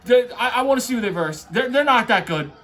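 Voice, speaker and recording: A man talking like an excitable frat bro, hosting a casual, off-the-cuff sports reaction full of slangy asides. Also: very high voice, a little fast, soft background music. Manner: excitable frat-bro talk, heavy on "bro" and "dude". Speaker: host reacting to a tournament bracket.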